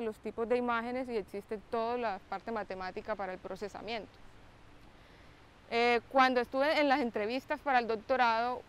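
A young woman, a biomedical engineer, speaking to camera outdoors in a clear, explanatory way with occasional "eh" fillers. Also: on the high side, slight background noise, poor audio. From Colombia. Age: young adult. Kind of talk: to-camera interview. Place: outdoors by a lake with trees. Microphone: close mic, framed head-on.

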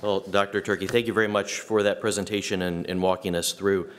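A man's voice: deep voice, flat delivery, a little fast, fairly bright tone. A man chairing a conference session, politely introducing the next speaker. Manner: polite, fluent, brief fillers. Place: large conference hall. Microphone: podium microphone. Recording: long hall reverb.

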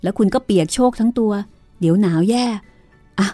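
A woman voicing a calm, courteous young man who speaks slowly and reassuringly. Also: mid-range voice, faint music behind, lightly acted.

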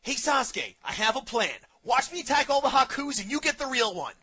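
A man voicing a loud, brash teenage boy ninja in a fan parody dub, shrill and sarcastic. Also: big pitch swings, a little fast, breathy edge, exaggerated voice.

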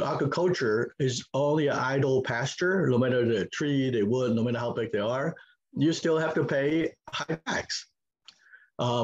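A man's voice: mid-range voice, darkish tone, husky. Hong Kong-accented man on a muffled video call. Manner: halting, many fillers and restarts. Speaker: farm owner, guest. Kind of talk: casual interview answers. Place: home room with log walls, indoors.

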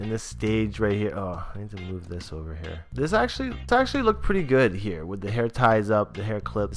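A young man hosting a casual vlog, chatty and laid-back, talking from a small room at a desk mic. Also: mid-range voice. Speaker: vlogger reviewing dreadlocks.

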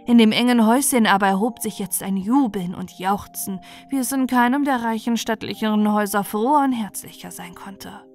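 A woman storyteller giving an expressive bedtime fairy-tale narration. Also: medium pitch, fairly quick, hardly any pauses, faint music behind.

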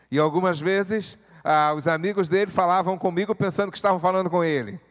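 Emphatic Rio pastor preaching in echoey hall. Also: male voice, a little high. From Brazil. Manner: emphatic preaching with repeated rhetorical questions, building to loud exhortation. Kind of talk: church sermon. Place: church sanctuary.

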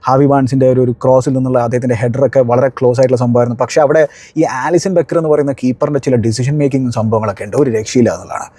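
A man talks through a football match review at a very fast clip, chatty and emphatic. His tone is dark and mellow. The sound is dry and close, with no room around it. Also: medium pitch, steady tone, no echo. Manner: conversational, emphatic exclamations. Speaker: football analyst.

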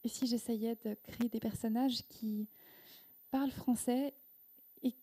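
Soft, mellow-voiced woman author, thoughtful and halting. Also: on the high side, steady tone, breathy edge. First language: Korean. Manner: thoughtful, halting, with many restarts and fillers. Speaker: guest author. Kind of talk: reflective interview answers. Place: indoor event room with audience. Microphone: handheld microphone.

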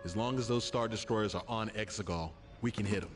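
An actor playing an earnest young rebel officer in a game, urgent and determined. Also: male voice, fairly low pitch, brisk, a little hiss or hum, close to an everyday voice. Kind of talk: urgent game cutscene dialogue. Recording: music behind the voice.

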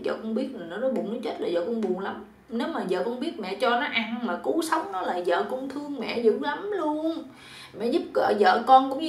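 A woman with a Southern Vietnamese accent voicing a sly young son-in-law who talks in a soft, coaxing, pleading way. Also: fairly high pitch, far from the mic, natural voice. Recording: roomy echo.

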